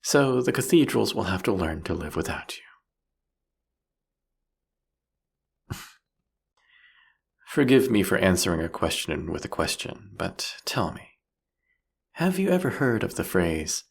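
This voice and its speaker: A jealous, philosophical vampire king acted by a man for a fantasy audio roleplay. His voice is deep and rough with fry, rising and falling expressively. He draws out his eloquent phrases with a teasing, seductive mockery. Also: sing-song, a little slow, pauses often, full character voice. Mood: playful, possessive.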